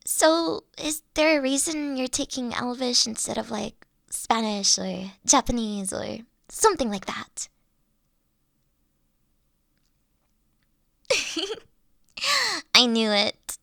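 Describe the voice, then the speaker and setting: High-voiced nerdy girl dragon, acted by a woman. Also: fairly bright tone, no room sound, studio quality, full character voice. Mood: excited, playful. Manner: gushing, rambling, stammering when flustered. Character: adorkable young female college dragon, nerdy, eager, anxious. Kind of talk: roleplay audio drama addressed to the listener.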